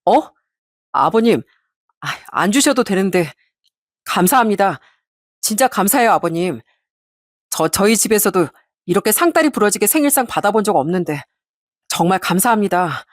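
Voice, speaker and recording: A woman's voice: medium pitch, very animated, normal speed, long pauses, no room sound. A woman voicing a young husband who deferentially thanks his father-in-law in an audio story. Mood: grateful. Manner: deferential, bashful. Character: polite, grateful young husband.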